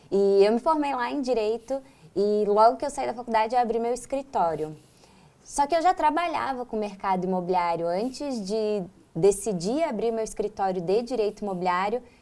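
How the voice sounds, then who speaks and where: Her voice is fairly high-pitched with a dark, mellow tone, and the woman moves at a moderate pace with lively intonation. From Santa Catarina, southern Brazil. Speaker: real estate lawyer. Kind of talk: TV interview.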